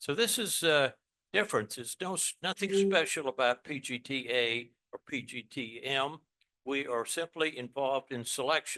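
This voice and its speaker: The recording is dry and close with no echo. A man with an American accent, medium pitch and a bright, sharp tone speaks at a moderate pace with lively intonation. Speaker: fertility doctor, panel speaker. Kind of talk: conference panel discussion.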